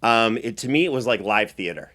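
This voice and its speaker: A man's voice: medium pitch, animated, fairly quick, pushed and bright. A man hosting a conversational interview. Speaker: host and series producer.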